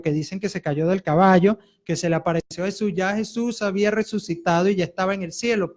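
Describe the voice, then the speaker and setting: A man preaching a Catholic sermon, reading Bible verses aloud and explaining them deliberately. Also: high-pitched, darkish tone.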